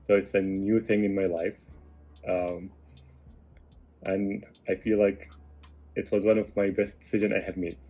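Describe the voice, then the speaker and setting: A man, a podcast guest who answers calmly and quietly, with many pauses and fillers. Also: deep voice, phone-quality sound. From Egypt. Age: 30s. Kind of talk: casual interview answers.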